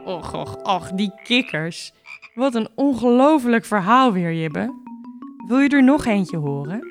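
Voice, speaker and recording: A woman's voice: medium pitch, animated, unhurried. A woman co-hosting a children's podcast, signing off in a cheerful, sing-song way. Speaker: podcast co-host. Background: music.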